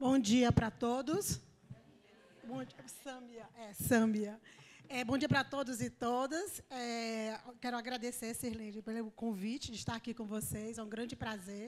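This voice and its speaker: Fairly even intonation from a woman with a Piauí accent, at a fairly slow pace with big swings in loudness. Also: fairly high pitch for a woman. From Brazil, Piauí. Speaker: speaker at a conference. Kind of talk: lecture. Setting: stage with audience.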